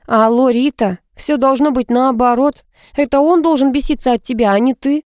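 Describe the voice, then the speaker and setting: A woman's voice: sits high, normal speed, dry recording, studio quality, pitched above the performer's own voice, lightly acted. A woman voicing an irritable, stubborn young female student who talks back sharply. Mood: exasperated. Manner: snappish, sharp-tongued.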